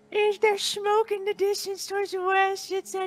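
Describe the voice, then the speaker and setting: A woman puts on a squeaky character voice at an extremely high pitch, flat and monotone at a moderate pace. The sound is dry and close with no echo. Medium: game stream.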